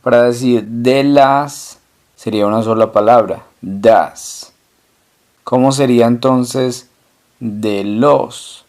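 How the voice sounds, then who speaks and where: A man teaching a language lesson, asking questions and then answering them himself, slowly repeating each example word. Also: mid-range voice, steady tone, darkish tone.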